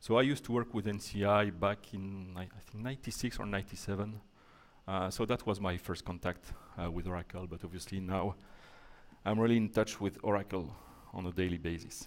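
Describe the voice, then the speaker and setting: A man speaks at a fairly low pitch and a fairly quick pace. His intonation stays fairly even. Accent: French. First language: French. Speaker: conference speaker, software developer advocate. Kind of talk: conference talk. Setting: stage with audience. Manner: halting, many fillers.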